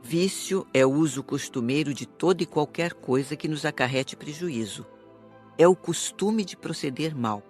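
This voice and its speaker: A woman playing a calm, serious spirit teacher in an audiobook, speaking in a measured, didactic way. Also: sits low, soft background music, lightly acted. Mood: instructive. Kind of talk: audiobook dialogue.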